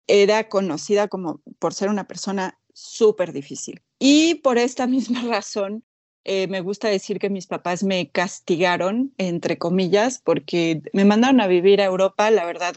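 A Mexican woman guest on a podcast, telling her own story in a thoughtful way with many pauses. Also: medium pitch, a little mellow, no echo. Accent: Mexican Spanish. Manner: thoughtful, with frequent hesitations. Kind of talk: casual personal storytelling.

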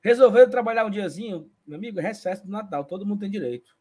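A man's voice: sits high, very fast, darkish tone, slightly rough. A man, co-hosting a casual fan show and playfully reading viewer comments aloud. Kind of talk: casual live-stream chat.

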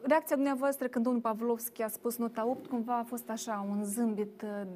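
A woman's voice: a little high, fairly even intonation, darkish tone, slight background noise. A woman hosting a studio debate, asking probing questions and addressing guests politely. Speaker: talk show host.

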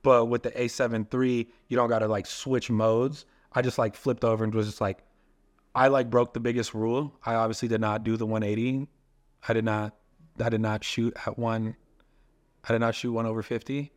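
A man's voice: mid-range voice, level tone, normal speed. A young man, a filmmaker and photographer, talking casually as a podcast guest and telling long rambling stories. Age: young adult. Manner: casual, rambling storytelling with many "like" fillers.

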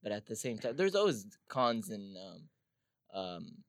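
A man's voice: fairly low pitch, big pitch swings, a little slow, no echo. A young man from Syria talking as a guest on a casual podcast. He makes his points in a thoughtful way, often hedging with "I feel like".

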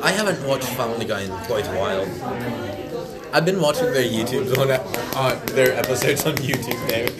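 A man's voice: mid-range voice, brisk. A young man teasing and bantering with friends in casual chat. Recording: heavy crowd noise behind.

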